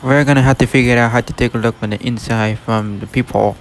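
A man's voice: medium pitch, steady tone, fast talker. A man narrating a casual walkthrough vlog outside a closed shop, filming on a handheld phone with plain, simple remarks. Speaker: retail exploration vlogger. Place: outdoors on a city street by a closed shop. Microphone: handheld phone camera. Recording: faint outdoor street noise. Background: faint street and car noise.

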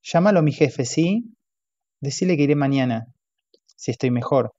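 A man's voice: mid-range voice, expressive, normal speed, dark tone, dry recording, close to an everyday voice. A man voicing a hungover alcoholic husband who wheedles and pities himself, in a dull, dry audiobook recording. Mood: wheedling. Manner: wheedling, whiny.

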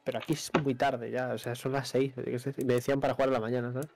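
A man's voice: medium pitch, flat delivery, quick pace, creaky, background noise. Rambling Spanish streamer man. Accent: Spanish from Spain. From Spain. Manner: rambling explanations, laughs often. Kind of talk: casual live-stream chat.

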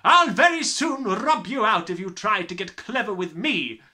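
A man's voice: high voice, animated, normal speed, sharp tone, pitched above the performer's own voice, full character voice. A man voicing a huge, bullying, furious headmistress from a storybook, barking and bellowing with contempt. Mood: scornful, snapping. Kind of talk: storybook character reading.

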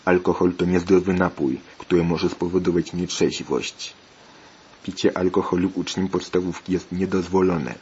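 A stern father lectures insistently, read by a man in his own deep voice. The tone is low and scolding. The recording is dull and lo-fi, with a faint hiss behind it. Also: steady tone, moderate pace, a little mellow, natural voice.

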